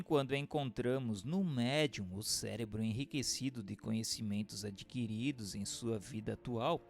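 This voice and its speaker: A Brazilian man delivers formal, scripted narration as if for an audiobook. His intonation swings widely, lifting and falling with deliberate, declamatory phrasing. There is a noticeable fry in his voice, and faint music plays behind him. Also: mid-range voice. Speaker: narrator reading a book aloud.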